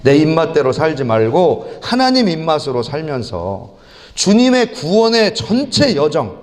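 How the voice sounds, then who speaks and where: A middle-aged male pastor preaching a sermon, animated and acting out prayers and rebukes in lively voices. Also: medium pitch. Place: church sanctuary. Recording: long church hall reverb.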